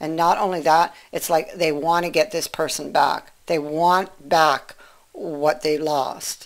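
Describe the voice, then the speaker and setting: A woman's very deep, low pitch at a very slow pace, with fairly even intonation. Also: quiet background. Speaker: tarot reader. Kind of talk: tarot reading commentary.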